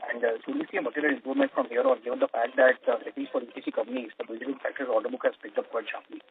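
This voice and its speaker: A man's voice: mid-range voice, expressive, racing, gravelly, slight background noise. A male analyst asking a question on a conference call, hesitant with many fillers, his voice garbled and glitchy over the phone. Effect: garbled, glitchy phone audio. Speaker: investment analyst calling in. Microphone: phone, maybe speakerphone. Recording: tinny garbled phone line.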